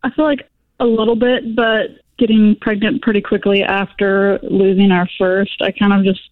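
A woman's voice: mid-range voice, level tone, normal speed, no echo. Young woman caller over a tinny phone line. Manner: hesitant, with many fillers like "um" and "like". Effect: heard over a phone line. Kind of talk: casual call-in chat.

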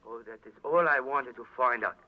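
An actor playing a smooth, scheming, politely menacing villain with a formal, deliberate manner in a 1940s radio drama. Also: male voice, medium pitch, close to an everyday voice. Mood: quietly menacing. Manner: formal, deliberate, drawn-out hesitant murmurs. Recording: dull old radio recording.

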